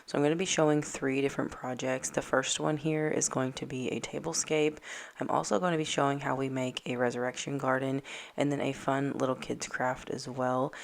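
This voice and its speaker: Hoarse, gravelly woman vlogger. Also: a bass voice, little pitch movement, a little fast. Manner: soft, hesitant, many ums. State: losing her voice, dry throat. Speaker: home decor vlogger. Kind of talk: casual chat to camera.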